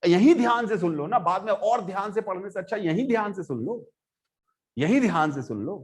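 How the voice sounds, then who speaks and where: A man lecturing a physics class, switching between quiet and loud talk as he works problems and speaks to his students. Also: high voice, moderate pace. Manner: animated, swings between soft and loud, addresses students directly. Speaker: physics teacher.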